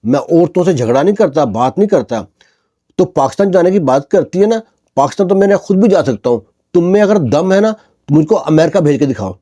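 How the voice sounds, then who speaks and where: A man voicing a proud, short-tempered Pathan driver who talks bluntly in a slightly lowered voice. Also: expressive, dark tone. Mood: defiant.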